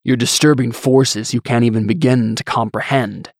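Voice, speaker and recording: A man voicing a large, stern male war god in an audiobook, with a gruff, disapproving manner. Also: mid-range voice, steady tone, moderate pace, dry recording, studio quality, lightly acted. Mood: angry. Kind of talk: audiobook character acting.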